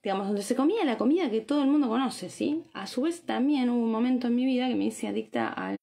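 Argentine woman in her 30s chatting on a phone live, kinda gravelly, lots of "sí?" check-ins. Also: on the high side, fast. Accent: Argentine Spanish. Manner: animated, chatty, many tag questions. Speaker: Ayurveda doctor. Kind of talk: casual live talk to viewers. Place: small bright room indoors. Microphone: phone camera at arm's length.

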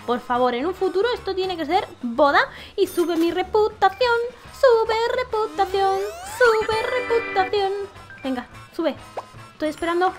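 Young woman gamer, very high, bouncy delivery, playful put-on voices, faint music behind. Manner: reads game dialogue aloud in playful put-on voices. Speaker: gameplay video creator. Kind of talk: playful gameplay commentary.

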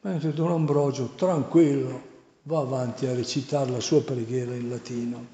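A man, a priest, giving a slow, measured meditation and narration. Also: mid-range voice, steady tone. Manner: slow, measured, soft-spoken. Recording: roomy, reverberant hall sound.

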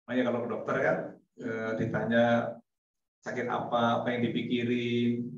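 Heard from a distance in an echoey mosque hall with muffled sound, a preacher delivers an informal sermon at a moderate pace in a monotone, mid-range voice. He chats with the congregation, often laughing and playing out small conversations.

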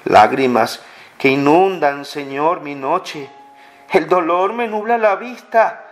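A man leading a slow, fervent spoken prayer, pleading and pausing often. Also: a little high, expressive. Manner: pleading, fervent, many pauses. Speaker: prayer leader. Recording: clear music bed under the voice. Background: music.

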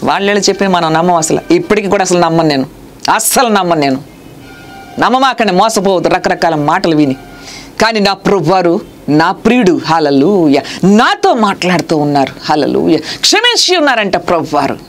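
Fervent woman preacher, lively pitch. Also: brisk. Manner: fervent, punctuated with repeated hallelujahs and rhetorical questions. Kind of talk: sermon.

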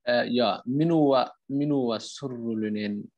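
A man who is not a native speaker, giving halting beginner answers in an online language class. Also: medium pitch, a little mellow, lo-fi sound, slight background noise. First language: not Finnish. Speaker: language learner.

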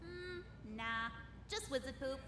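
Woman playing brash, high-pitched, streetwise radio host. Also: lively intonation, slow pace, heavy background noise. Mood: wry. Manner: sassy, theatrical, tough-talking. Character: brash, streetwise, bossy female radio survival-guide host. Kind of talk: comedic audio drama acting.

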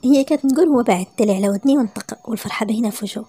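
A woman with a Moroccan accent narrating a story in a brisk, lively manner. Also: fairly high pitch, slightly rough, dry recording.

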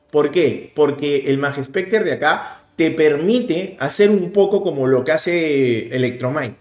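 A man in his thirties with a Peruvian Spanish accent walks through a card game replay, animated and quick to stress each move. His voice sits a little high for a man. The sound is roomy, with faint music underneath. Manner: animated, explaining plays rapidly with bursts of emphasis. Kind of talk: casual gameplay commentary. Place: indoor room, webcam overlay.

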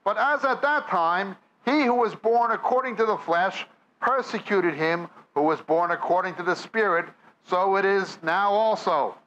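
A man's voice: sits high, unhurried, a bit bright, lo-fi sound, slight background noise. A man with a New York accent preaching a sermon, reading scripture aloud and then explaining it to a live audience. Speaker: Bible teacher. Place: church or meeting hall with audience.

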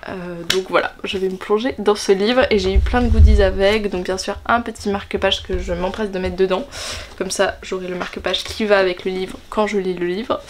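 A woman's voice: mid-range voice, noisy background. Brief: young woman book vlogger, shy and hesitant, many fillers, keen, camera at desk distance. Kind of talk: casual book haul chat. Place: bedroom in front of a bookshelf, indoors.

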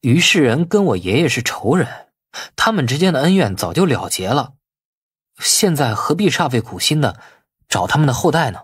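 A man's voice: medium pitch, big pitch swings, normal speed, breathy edge, no room sound, clean studio sound. A man voicing a cocky yet easily flustered businessman in audiobook dialogue, eager and informal. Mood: bewildered, protesting.

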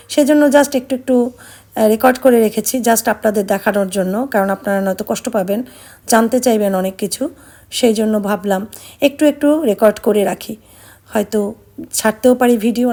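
Middle-aged woman, somewhat high voice, soft and subdued, sad and tired, casual vlog narration. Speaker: vlogger.

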